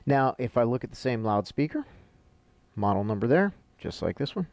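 A man's voice: mid-range voice, very animated, normal speed, a little mellow, no room sound. A middle-aged man, an instructor explaining technical material informally and step by step, as if thinking aloud. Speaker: audio-visual instructor. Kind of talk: informal instructional explanation while annotating charts.

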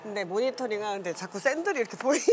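A woman's voice: mid-range voice, lively intonation, very fast, crowd noise. A young adult woman bantering casually with friends in a group. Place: TV studio panel table. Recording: other voices chattering around.

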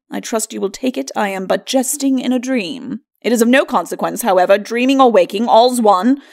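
A haughty skeleton lord from a storybook, acted out by a woman, bickering with mocking disdain. The pitch moves widely through archaic, aristocratic phrasing, and it sits on the high side for the reader. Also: darkish tone. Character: bickering, sneering undead skeleton lord, a husband. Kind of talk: storybook character acting.

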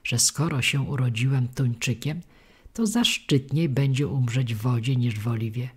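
A woman voicing a hoarse, philosophical male tuna who speaks with resigned dignity in a storybook reading. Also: very deep voice, moderate pace.

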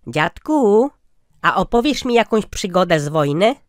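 A man's voice: high voice, very animated, a little slow, no room sound, studio quality. A man voicing a curious, naive young grandson asking eager questions in a cartoon comedy skit.

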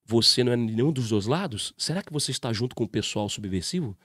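Lively man telling a story. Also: mid-range voice, quick pace, husky, no room sound. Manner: animated storytelling, addresses viewers directly. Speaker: YouTube commentator. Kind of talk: casual commentary monologue.

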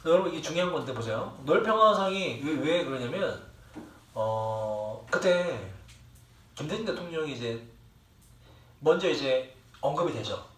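A man's voice: a little high, animated, moderate pace, long pauses, a bit bright. A young man teaching a class, who rambles, jokes with his students and swears freely. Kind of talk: classroom lecture. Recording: echoey room, distant mic, faint ambience.

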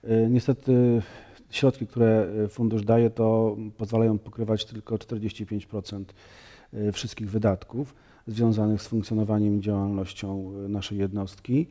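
Priest, 30s, measured and explanatory, dark mellow tone. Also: male voice, lowish voice, flat delivery. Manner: measured, explanatory, frequent fillers. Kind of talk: studio interview. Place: bright TV studio, seated on sofa.

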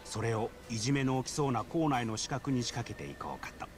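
A man doing a highly animated, pedantic nerdy detective. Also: brisk, a little hiss or hum, lightly acted. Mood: confident, scheming. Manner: archaic, grandiose, precise polite wording. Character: theatrical, pedantic, polite nerdy male detective planner. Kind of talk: scripted video game drama acting.

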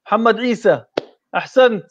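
Man quiz host, high voice, dull muffled audio, explains answers. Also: fairly quick, fairly bright tone. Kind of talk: live quiz hosting.

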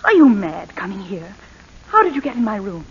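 A woman's voice: medium pitch, very animated, brisk, slightly rough, full character voice. An actress playing a poised, conflicted lady jewel thief with clipped, dramatic delivery in a 1940s radio drama. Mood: tense, anguished. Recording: noisy muffled vintage 1940s radio recording.

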